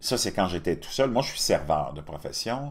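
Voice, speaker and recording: A man with a Quebec accent talks at medium pitch with vocal fry. His pitch swings very widely. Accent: Québécois French. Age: 60s. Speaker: YouTuber and waiter. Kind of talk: personal monologue vlog. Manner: conversational, repetitive with fillers.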